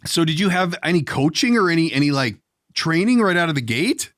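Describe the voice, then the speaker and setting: A man hosts a casual interview. His pitch moves around in a lively, animated way as he puts questions loosely and informally, with colloquial phrasing. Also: brisk. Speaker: podcast host, interviewer.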